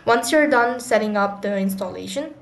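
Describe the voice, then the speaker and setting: A woman narrating a software tutorial as host, explaining step by step in a halting, repetitive way. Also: mid-range voice, expressive. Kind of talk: explanatory screen tutorial voice-over. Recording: echoey room with clear background noise.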